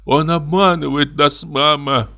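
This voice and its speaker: A man's voice: medium pitch, animated, moderate pace, pitched above the performer's own voice, close to an everyday voice. A man reading aloud and voicing a devoted young wife who speaks earnestly and pleadingly. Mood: distraught. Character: anxious devoted young wife, turning tearful.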